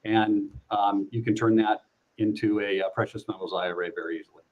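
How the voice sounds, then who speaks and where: A man's voice: lowish voice, steady tone, fairly quick, phone-quality sound. A middle-aged man, a company representative guesting on a livestream, explaining investments fluently and confidently. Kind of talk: casual interview.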